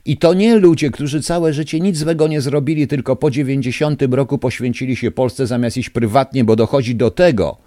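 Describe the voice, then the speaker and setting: A man's voice: medium pitch, fairly quick, few pauses, warm tone, no echo. A male radio host rants angrily and indignantly at his listeners in a studio. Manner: angry, indignant ranting. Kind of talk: live radio talk to listeners. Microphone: studio microphone.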